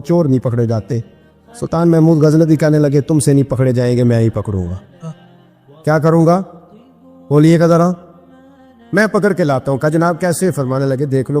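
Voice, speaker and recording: A man preaching a sermon, telling stories and acting out the voices of the people in them, rising to loud emphatic peaks. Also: a little high. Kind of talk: sermon storytelling. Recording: long hall reverb with faint music.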